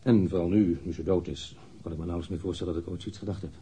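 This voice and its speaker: Radio drama role: wounded, indignant man under questioning; deep, very husky, blunt delivery. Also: steady tone, very fast, warm tone. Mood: subdued, reflective. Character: defensive, wounded male lover questioned by police.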